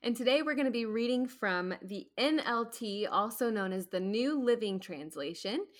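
A woman co-hosting a Bible study podcast, talking in a relaxed, thoughtful way. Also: a little high, normal speed. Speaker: podcast co-host. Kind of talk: casual Bible study chat.

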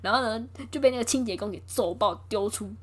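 Hosting a casual chat, a young woman retells a film scene by scene and acts out the characters' lines, shifting her voice for quotes and laughing. She speaks fast in a mid-range voice, with a little hiss or hum in the audio.

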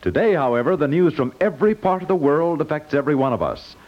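A man's voice: fairly high pitch, expressive, fast. An American man announcing on 1950s radio, reading scripted copy in a polished, formal manner. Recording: muffled 1950s radio broadcast recording.

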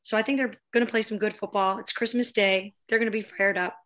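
A woman with a hoarse voice from losing it, giving football predictions on a podcast. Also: medium pitch, fairly even intonation, quick pace, fairly bright tone. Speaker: podcast panelist. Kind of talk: casual sports podcast chat.

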